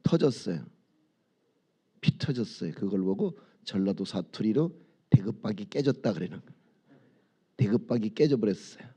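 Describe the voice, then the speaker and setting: A man's voice: on the low side, big pitch swings, normal speed, pauses often, warm tone, slightly rough. A male pastor preaching a dawn sermon in a church, telling stories conversationally and asking the congregation rhetorical questions. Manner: leads congregation in reading and prayer. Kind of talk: sermon at a dawn prayer service. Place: church sanctuary.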